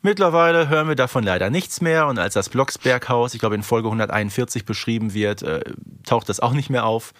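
A man's voice: mid-range voice, fairly quick, few pauses, fairly bright tone, no echo, clean studio sound. A man co-hosting a podcast in casual chat. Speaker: podcast co-host.

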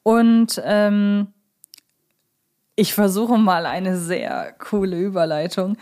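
A woman's voice: medium pitch, fairly even intonation, slow pace, warm tone. Woman chatting as a podcast co-host. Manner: conversational, asks her co-host questions. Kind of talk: casual, chatty podcast discussion.

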